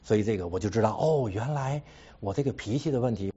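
A man's voice: lowish voice, quick pace, husky, lo-fi sound. A man giving a personal testimony to a congregation, repeating phrases, tacking a casual "ha" onto his sentences and laughing at himself between points. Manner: animated storytelling with repeated phrases and a habitual trailing "ha".

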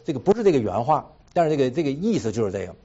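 Casting: husky-voiced man, lively swooping delivery, self-mocking church testimony, dull lo-fi recording. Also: medium pitch, racing. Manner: animated storytelling with repeated phrases and a habitual trailing "ha"; laughs at himself between points. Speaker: Christian speaker giving a personal testimony. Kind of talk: personal testimony to a congregation.

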